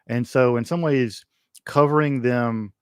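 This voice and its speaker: A man's voice: mid-range voice, fairly even intonation, unhurried, smooth, no echo, clean studio sound. A man hosting a casual livestream Q&A, answering viewer questions in a rambling way with many ums, restarts and wry asides.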